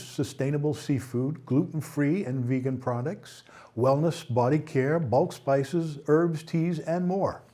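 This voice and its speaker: His voice sits on the high side as he anchors a local news roundup. He reads the stories steadily, stumbling at times and fixing his own mistakes.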